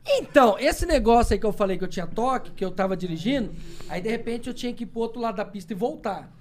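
A man's voice: sits high, expressive, darkish tone. A young man in casual chat, telling rambling stories full of swearing, with sudden vocal tics and repeated words. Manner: swears a lot, fast rambling storytelling.

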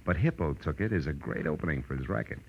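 A man's voice: very deep voice, lively intonation, fast talker, muffled recording, a little hiss or hum. An American actor playing a wry, worldly, hard-boiled male private detective in clipped 1940s radio style. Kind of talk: 1940s radio detective acting, first-person narration.

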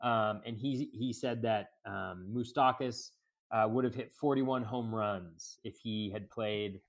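A man's voice: on the low side, slow. Man with a cracky cold-sick voice. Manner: enthusiastic, chatty with fillers. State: sick with a cold, sniffling and coughing. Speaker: podcast host. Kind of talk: casual podcast chat.

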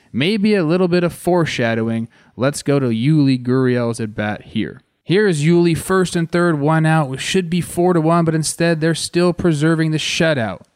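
A man's voice: a little high, clean tone, no room sound. Dry, close-recorded man breaking down sports plays. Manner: conversational, addresses viewers with rhetorical questions. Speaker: sports show host and baseball analyst. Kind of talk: explanatory sports breakdown commentary.

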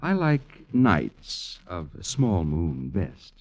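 A man's voice: low-pitched, huge pitch swings, drawn-out words, a little mellow, heavily acted. An actor playing a dreamy, uneasy young gypsy man who makes brooms, speaking hesitantly in an old radio drama. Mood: proud, dreamy. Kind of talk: 1950s radio drama acting. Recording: muffled vintage radio recording.

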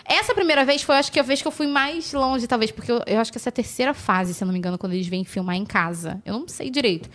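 A woman from Brazil telling animated stories as a podcast guest, acting out the people she quotes and laughing often. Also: fairly high pitch, racing, few pauses. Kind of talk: casual storytelling chat.

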